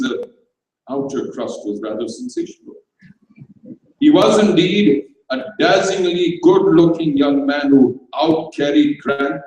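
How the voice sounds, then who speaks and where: A man reading a comic story aloud on stage, with a slow, wry delivery. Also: medium pitch, warm tone. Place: festival stage, hall. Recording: echoey hall from far off.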